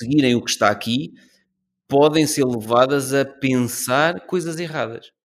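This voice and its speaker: On a very clean recording with a silent background, a man with an ordinary speaking voice talks at a medium pitch and a fairly slow pace with ordinary pitch variation. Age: 40s. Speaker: podcast co-host. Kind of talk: casual chat.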